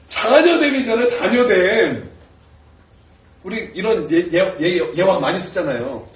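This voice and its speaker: A male pastor preaching a sermon, swinging from shouted prayers down to quiet, low asides. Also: reverberant, recorded from a distance. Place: church sanctuary.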